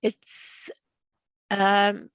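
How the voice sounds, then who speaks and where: A woman from South Africa hosting a casual class chat, asking questions in a halting, inquisitive way. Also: mid-range voice, completely flat delivery, a bit bright, smooth, no echo. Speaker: class host.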